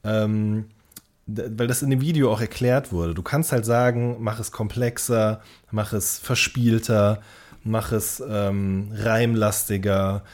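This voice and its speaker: A man's voice: fairly low pitch, steady tone, slow, a little mellow. A man in casual podcast chat as co-host, explaining things while thinking aloud and rephrasing hesitantly.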